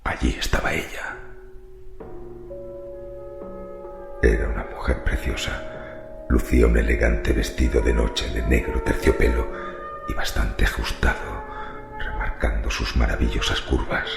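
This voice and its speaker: A man's voice: fairly even intonation, moderate pace, heavily acted. A man playing a macabre, brooding cemetery wanderer who confides morbid secrets in a theatrical horror radio monologue. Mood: enraptured. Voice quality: very deep, gravelly creaking voice. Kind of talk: dramatic first-person horror radio monologue. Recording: roomy reverberant voice over music. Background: faint music.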